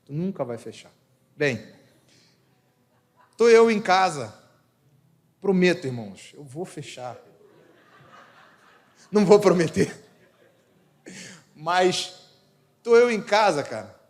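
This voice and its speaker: A man's voice: high-pitched, big pitch swings, takes it slowly, long pauses. A male pastor, preaching a sermon with personal stories, rhetorical questions and humorous asides. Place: church. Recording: church hall reverb.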